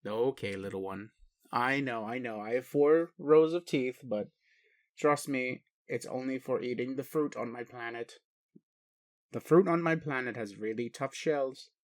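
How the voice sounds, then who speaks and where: A man playing a gentle, doting blue-skinned alien caretaker in a roleplay audio, rambling playfully and speaking tenderly to the listener. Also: medium pitch, unhurried, lightly acted. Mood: reassuring, playful. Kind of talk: soft roleplay monologue to a listener.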